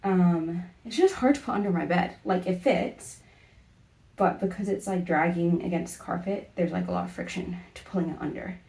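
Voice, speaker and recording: A woman's voice: on the low side, normal speed, creaky, darkish tone, recorded from a distance. A young woman vlogger chatting casually in her bedroom while she tidies, rambling and correcting herself as she goes. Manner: rambling, self-correcting, talks while tidying. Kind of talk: casual chatty vlog narration.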